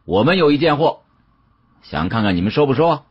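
A man voicing a brash, cocky fellow in an audiobook, loud, blunt and provoking. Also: medium pitch, sing-song, a little fast, breathy edge, muffled recording, voice pushed up. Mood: bold.

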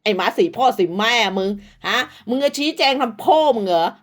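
A woman's voice: medium pitch, lively intonation, a little fast. A woman ranting at rival creators, scolding and insulting them crudely, with repeated short tags. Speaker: online commentator. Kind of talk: profane rant at rival creators.

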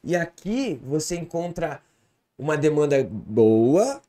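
A man, a podcast guest talking casually, slangy and rambling, with many fillers and restarts, on a close studio boom mic. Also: big pitch swings, takes it slowly, warm tone. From Santa Catarina, Brazil. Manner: gestures a lot with his hands. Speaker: podcast guest, comedian and producer. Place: small podcast studio with bookshelf.

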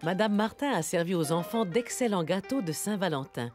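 A woman's voice: fairly low pitch, expressive, moderate pace, over music. A woman narrating a scripted children's story as the narrator of a cartoon.

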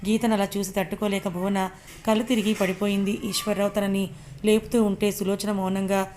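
Woman storyteller, serial story narration, steady reading, flat pitch. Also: fairly quick, slight background noise.

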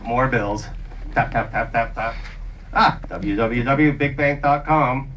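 A man's voice: medium pitch, slow pace, fairly bright tone. A man informally narrating and explaining a live demonstration as its presenter. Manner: informal, narrates own actions. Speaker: session presenter acting out a bank customer. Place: small conference meeting room. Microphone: handheld mic, filmed from audience. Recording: distant, noisy conference room recording.

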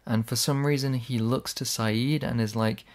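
A man's voice: mid-range voice, fairly even intonation, moderate pace. A man giving casual, sarcastic video essay commentary. He is blunt, swears when annoyed, and his voice sounds slightly worn.

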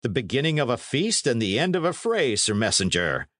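A man's voice: mid-range voice, sing-song, fairly quick, fairly bright tone, no echo, clean studio sound, voice pushed up. A man reading a storybook as a blustering, imperious medieval knight who barks orders in archaic speech. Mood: angry, demanding.

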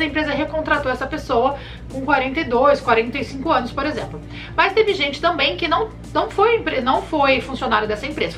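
Filmed indoors in a bedroom with the camera in front at chest framing, a woman in her thirties from Brazil offers casual advice. She's a flight attendant with a high voice, chatty and animated with her hands, greeting viewers warmly by nicknames.

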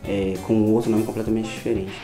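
A 32-year-old man from Brazil with a Brazilian Portuguese accent, speaking in a practical, measured way in a studio against a grey wall. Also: fairly low pitch, little pitch movement, music in the background. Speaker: interviewee. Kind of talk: casual personal storytelling. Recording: roomy room sound.

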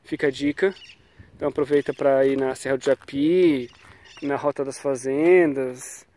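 Speaking at a moderate pace in a medium-pitched, steady, warm voice, a cycling vlogger with a cold chats about bike brakes on his action camera. He's outdoors on a quiet paved road, keeping it loose and adding little "tá?" and "né?" checks as he trails off.

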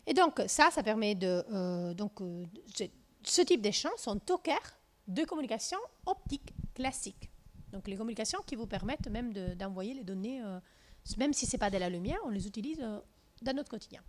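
A woman from southern Italy in her thirties with an Italian accent, giving a lively physics lecture in a lecture room through a handheld mic, with many fillers and restarts. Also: medium pitch, normal speed. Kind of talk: lecture with slides.

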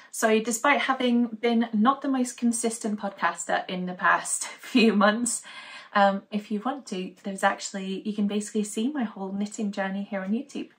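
A young adult woman from Denmark, a knitting podcaster, chats casually to the camera from her living room at home. She's upbeat and rambling, with lots of "um"s, and her voice sits at an ordinary middle pitch for a woman.

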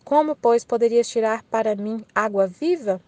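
A woman's voice: a little high, normal speed, dark tone, lightly acted. A Brazilian woman reading the lines of a wary, questioning Samaritan woman at a well.

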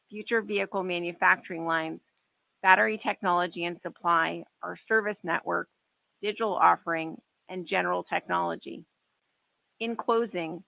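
A woman in a formal, measured manner reading a scripted earnings call presentation as a finance executive. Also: lowish voice, gravelly, dry recording. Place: conference call webcast. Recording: dull, band-limited webcast audio.

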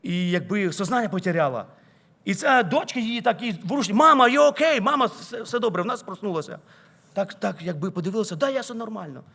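A man with a Ukrainian accent preaching a sermon, telling a personal story and building to loud exclamations. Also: high-pitched, animated, fast talker, gravelly. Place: church sanctuary.

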